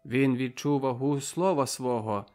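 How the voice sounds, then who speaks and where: A man's voice: mid-range voice, unhurried, darkish tone, faint music behind. A man reading a novel aloud as audiobook narrator, in a vivid, dramatic manner.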